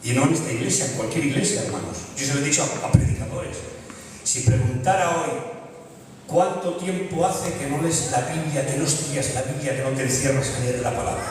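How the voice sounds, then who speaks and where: A man with a Spanish accent preaching a sermon in a large church, moving from quiet storytelling to loud, fervent calls. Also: a little fast, crowd noise. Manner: builds from low storytelling to loud fervent shouting. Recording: echoey hall, distant mic.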